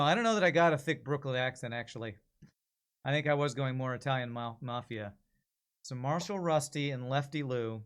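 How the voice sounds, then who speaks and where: A man's voice: fairly high pitch, a bit bright, clean tone. A man in his forties chatting casually on a livestream, thinking aloud as he reads and reacts. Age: 40s. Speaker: streamer and amateur voice actor.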